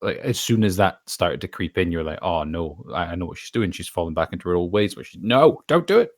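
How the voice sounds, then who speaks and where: A man's voice: deep voice, animated, a little fast, no room sound, clean studio sound. A man chatting casually on a podcast as a voice actor, earnest and emphatic.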